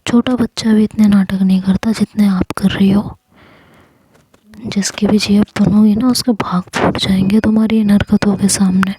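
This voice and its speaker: A woman's voice: mid-range voice, level tone, normal speed, mellow, breathy edge, poor audio. A woman voicing Yishu, a blunt, teasing young woman. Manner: scolding and teasing, then pleading.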